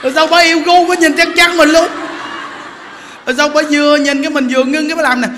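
A Buddhist monk giving an animated sermon, joking as he tells stories and addresses the audience directly. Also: extremely high pitch, fast, big-room sound, slight background noise. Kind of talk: lively sermon.

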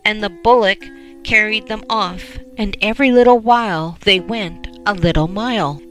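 A woman narrating a folk tale in measured storytelling. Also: medium pitch, pushed and bright, poor audio.

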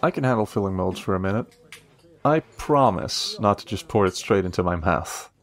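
A man's voice: low-pitched, animated, moderate pace, a little hiss or hum. A man acting as an earnest, protective young café trainee in an audio roleplay, casual and a little hesitant. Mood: curious, amused. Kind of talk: intimate first-person audio roleplay.

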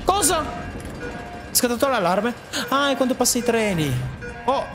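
Un uomo che commenta una partita a un videogioco con tono scherzoso e agitato, parlando ai personaggi del gioco. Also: male voice, extremely high pitch, normal speed, music in the background. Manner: animated, jokey, talks to the game characters. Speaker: gaming YouTuber. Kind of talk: excited gameplay commentary.

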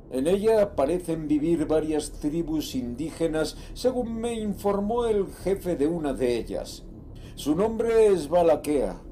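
A man's voice: a little high, dark tone, slight background noise. An actor playing a greedy, restless sea captain reading out his diary in a horror audio drama.

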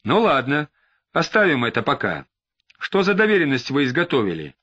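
A man reading an audiobook, voicing a calm, disdainful male police detective who questions in a measured, patient way. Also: mid-range voice, husky, dry recording, lo-fi sound, exaggerated voice. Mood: probing.

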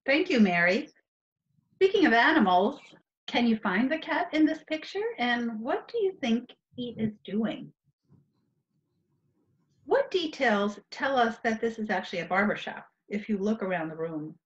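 A middle-aged museum curator offers educational art commentary and poses questions to viewers over a video call from her home. Her fairly high voice is expressive and measured in pace. The computer mic gives dull, lo-fi call audio.

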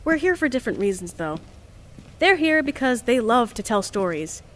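A woman's voice: a little high, very animated, moderate pace, slight background noise. An actress playing a chirpy, earnest, polite young woman on a science team, gushing and easily flustered, in an audio drama. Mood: wistful, hopeful. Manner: bubbly, gushing, hesitant when flustered. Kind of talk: audio drama, recorded diary.

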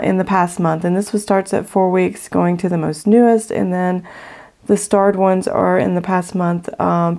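A middle-aged woman chats to her viewers from her table at home, her voice raspy and gravelly after a recent illness. The tone is dark and mellow, loose and friendly, full of ums and thank-yous. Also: mid-range voice. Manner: warm, grateful, chatty with fillers. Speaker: faith channel host. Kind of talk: casual chat to viewers. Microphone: overhead camera, speaker off screen.

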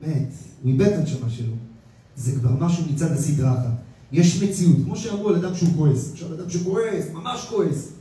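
A man's voice: on the high side, warm tone. A man giving a religious lecture with stories from his past, emphatic, repeating words and asking rhetorical questions. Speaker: rabbi giving a Torah class. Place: indoor hall at a talk. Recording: echoey room, mic far off.

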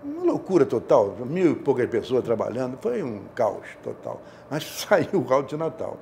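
Casting: man in his 70s, Rio accent, gravelly and mellow, casual storyteller in an interview. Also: mid-range voice, wildly swooping pitch, moderate pace, slight background noise. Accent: Brazilian, Rio de Janeiro. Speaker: interview guest, theatre director. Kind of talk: casual anecdotal interview talk. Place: indoor studio, seated. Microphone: lapel.

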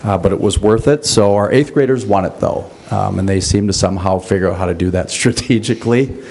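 A man's voice: lowish voice, brisk, a little mellow, a little hiss or hum. A man in his fifties giving an informal report as a school principal at a podium microphone in a meeting room. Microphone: gooseneck podium microphone.

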